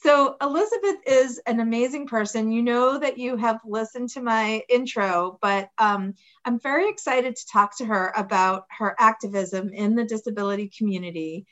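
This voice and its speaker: A woman's voice: a little high, normal speed, few pauses, fairly bright tone. A woman hosting a podcast, enthusiastic and bubbly as she introduces her guest. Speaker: podcast host. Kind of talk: podcast interview.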